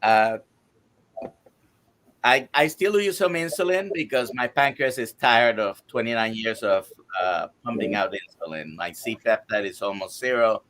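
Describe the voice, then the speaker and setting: A man in his sixties, a guest doctor, telling his own health story on a live stream in a halting way, with many fillers, listing items one by one. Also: lowish voice, fairly bright tone. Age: 60s. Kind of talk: casual testimony on a live stream.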